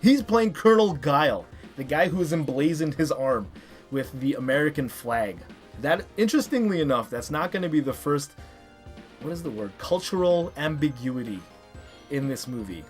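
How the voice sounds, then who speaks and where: A man in his thirties or forties talks like an enthusiastic fan hosting an online countdown. His voice sits a little high. He gives his opinions casually and conversationally, with music playing behind him. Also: lively intonation, normal speed. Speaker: online movie reviewer and host.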